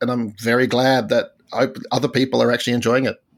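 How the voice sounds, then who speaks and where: On a very clean recording with a silent background, a man with an Australian accent speaks with vocal fry in a monotone, flat intonation. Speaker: podcast co-host. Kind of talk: casual chat.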